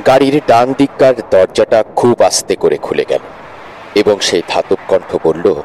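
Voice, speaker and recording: A man's voice: on the low side, expressive, moderate pace, a little mellow, slight background noise, poor audio. A man narrating a dramatic audio story expressively, rising with tension.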